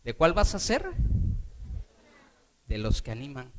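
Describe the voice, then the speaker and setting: A man's voice: mid-range voice, wildly swooping pitch, unhurried. A male Catholic preacher giving a sermon, speaking emphatically and calling for responses from the congregation.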